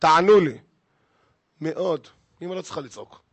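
A man, a rabbi, giving a lively, joking sermon and firing rhetorical questions at his listeners. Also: on the high side, dry recording. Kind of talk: humorous sermon to a live congregation.

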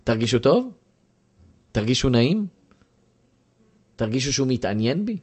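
A man's voice: mid-range voice, sing-song, a little mellow, husky. A man giving a lecture to a class and asking the audience questions. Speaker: teacher.

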